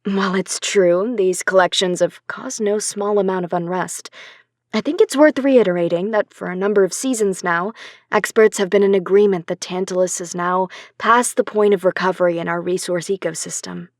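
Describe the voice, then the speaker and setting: A woman's voice: medium pitch, moderate pace, dry recording, studio quality, natural voice. A woman playing a composed professor interviewed on radio news in a sci-fi audio drama, explaining things patiently and articulately. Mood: patient, explanatory. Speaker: academic expert being interviewed.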